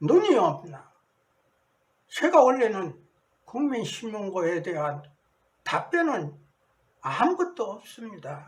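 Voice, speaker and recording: The speech goes at a very slow pace. Its pitch swings very widely. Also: man. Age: 80s+. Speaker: retired small stock investor. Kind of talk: complaint statement to camera.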